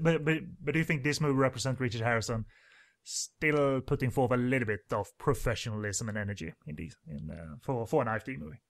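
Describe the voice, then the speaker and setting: A man's voice: medium pitch, vocal fry. Rambling man doing a movie commentary. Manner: rambling, hesitant, many fillers and restarts. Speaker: podcast host doing a film commentary.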